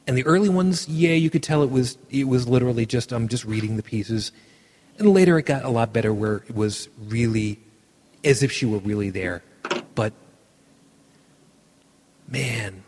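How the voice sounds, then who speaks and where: A man hosting a casual podcast chat, lively, often acting out quoted lines in other voices. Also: mid-range voice, moderate pace, pauses often, long reverb tail, a little hiss or hum. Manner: animated, acts out quoted lines in shifted voices. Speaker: podcast host.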